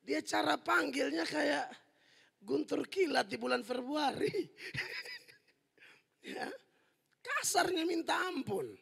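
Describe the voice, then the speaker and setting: A man preaching a fiery sermon as pastor, forceful and humorous, sometimes rising to shouts. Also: very high-pitched, sing-song, slow pace, vocal fry, long pauses. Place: large indoor church hall. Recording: long hall reverb in large church.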